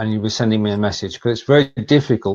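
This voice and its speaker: Against a quiet background, a voice in a Lancashire accent keeps a fairly even intonation. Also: man. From northern England, Lancashire. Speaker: talk show host. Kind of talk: casual chat. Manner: halting.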